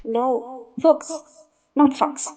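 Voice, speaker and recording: A woman's voice: high-pitched, steady tone, extremely slow, a little mellow, heavily acted. A woman voicing a tough, sassy young German nurse in an audio drama, with a blunt, teasing manner.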